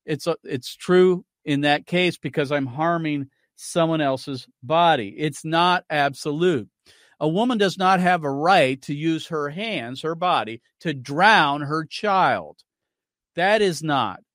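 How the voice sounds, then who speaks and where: Emphatic talk radio host, dry sound. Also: male voice, on the high side, fairly bright tone, no room sound. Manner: emphatic, argumentative, cues clips to play. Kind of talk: opinionated radio talk commentary.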